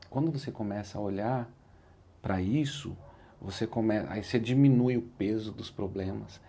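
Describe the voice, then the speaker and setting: This man's low, gravelly voice has a warm tone, with a little hiss or hum in the recording. A motivational speaker appearing as an interview guest, he has a Brazilian Portuguese accent and tells his story with sincere reflection, repeating "said like this" when quoting himself.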